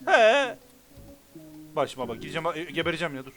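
A man giving let's play commentary, excitable and often frustrated and cursing. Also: on the high side, fast talker. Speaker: gamer. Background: game music.

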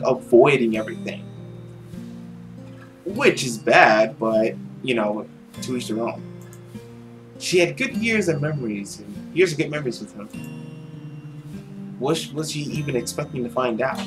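Expressive young man narrating over game music. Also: mid-range voice. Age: young adult. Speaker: video game player and narrator. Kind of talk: reading visual novel text aloud with commentary. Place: small room at home, indoors.

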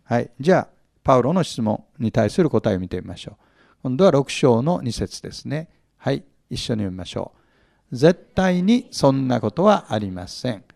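Here a man preaches from Scripture at a medium pitch and normal speed, very animated, his gravelly voice carrying a darkish tone in a clean studio recording without room sound. Funny by nature, he stages small comic scenes, quizzes his listeners, and punches key words hard.

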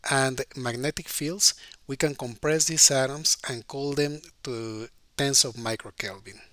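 A man narrates a lab tour in a steady, read-aloud voice-over. His tone is very bright and sharp, and the recording is close and dry with no room sound. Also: medium pitch, no echo.

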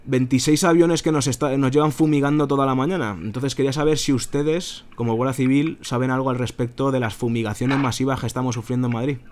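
With music behind him and slight background noise, a Spanish man from Spain talks fast, with hardly any pauses, in a steady, mid-range, darkish voice. Narrating his own video, he mixes a phone call with informal, colloquial and indignant commentary for viewers.

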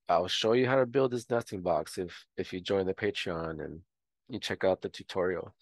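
Low-voiced guy talking through a backyard tutorial, loose and easygoing, lots of ums, dry close mic. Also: dry recording. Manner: relaxed, rambling with many fillers. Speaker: homestead educator. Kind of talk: casual tutorial voice-over.

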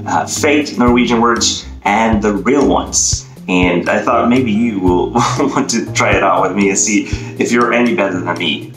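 A man's voice: on the low side, fairly bright tone. Playful young Swedish man in echoey room. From Sweden. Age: young adult. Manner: playful, laughing often, sounding out words slowly. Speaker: YouTuber. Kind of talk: casual quiz vlog. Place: small bare room indoors. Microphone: webcam framing, head and shoulders. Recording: echoey bare room, faint guitar music.

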